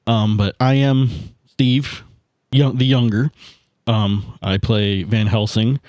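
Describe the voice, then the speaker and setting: A man's voice: fairly low pitch, steady tone, slow, darkish tone, no echo. A man chatting casually as a tabletop game podcast player, hesitant and often repeating himself. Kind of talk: casual chat.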